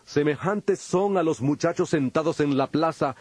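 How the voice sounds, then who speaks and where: Solemn male preacher-teacher, fairly high voice, declamatory and measured, for a Bible audio drama. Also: darkish tone, breathy edge. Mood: reproving.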